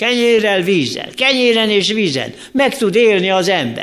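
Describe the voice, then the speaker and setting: Speech from a man with a high pitch, fairly slow in pace and carrying audible room echo. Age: 80s+. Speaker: retired pastor. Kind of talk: sermon. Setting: church.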